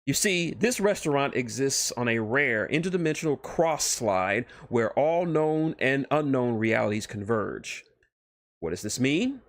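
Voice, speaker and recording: Male streamer and amateur story reader, mid-pitched, informal, halting delivery, very little room sound. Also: animated, no room sound, studio quality. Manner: informal, halting, self-correcting. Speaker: streamer and fan fiction writer. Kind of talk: casual livestream chat and story reading.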